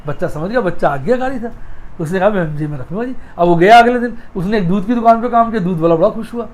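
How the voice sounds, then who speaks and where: A man's voice: high voice, fast. A middle-aged man, giving a casual stock market lesson and telling homely stories straight to his viewers. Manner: homely, repeats phrases, talks straight to viewers. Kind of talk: casual teaching talk with storytelling.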